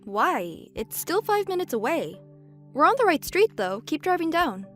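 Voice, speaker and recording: Woman acting a feisty, high-voiced young woman. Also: sing-song, normal speed, fairly bright tone, faint music behind. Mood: brisk, amused. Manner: feisty, emphatic, forthright. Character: outspoken, fiery, stubborn young woman working as cashier. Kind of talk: fan audio drama acting.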